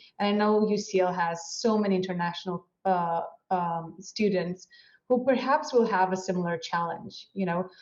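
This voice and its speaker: A woman speaks at a medium pitch in a Romanian accent. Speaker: communications professional. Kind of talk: panel talk.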